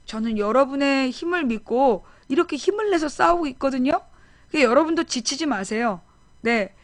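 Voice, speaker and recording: A woman's voice: a little high, no room sound. A middle-aged woman hosting her own political talk stream, speaking casually and emphatically and repeating phrases for effect. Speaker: political talk show host. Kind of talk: casual live-stream monologue.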